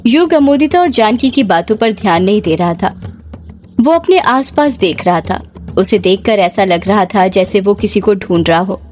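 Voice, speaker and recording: A woman narrating a horror story in steady, dramatic storytelling. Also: mid-range voice, normal speed.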